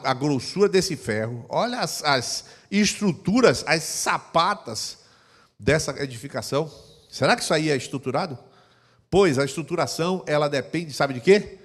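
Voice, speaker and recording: A man preaching a sermon as pastor, swinging between hushed, intimate passages and loud, impassioned ones. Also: mid-range voice. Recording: long hall reverb.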